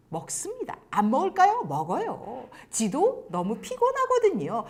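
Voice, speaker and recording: A woman with a high voice gives parents advice in a lecture. Her pitch leaps up and down all the time, and she acts out little scenes. Now and then her voice sinks almost to a whisper to stress a point. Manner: animated, acts out quoted lines; drops to near-whispers for emphasis. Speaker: education commentator and host.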